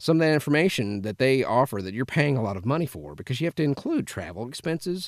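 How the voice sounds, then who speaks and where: In a very clean recording with a silent background, a man talks at a very fast pace with very wide pitch swings. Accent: American. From US deep South (Tennessee, Arkansas, Mississippi area). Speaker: voice actor. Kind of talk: tutorial. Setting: home studio.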